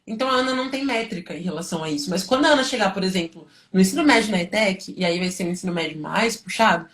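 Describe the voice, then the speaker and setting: A woman with a Brazilian accent speaks at a medium pitch as she teaches live. She explains things informally, as if chatting with students, often asking a question and answering it herself, with small check-in tags along the way. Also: animated, rapid-fire, fairly bright tone. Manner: conversational and didactic, asks and answers own questions, frequent check-in tags. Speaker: teacher and study coach hosting a livestream.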